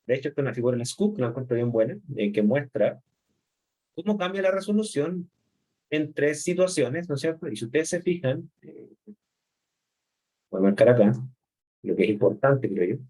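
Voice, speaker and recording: A man's voice: medium pitch, expressive, normal speed, long pauses, warm tone. A male chemistry lecturer, explaining step by step in an online class and often checking in with his students. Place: remote class.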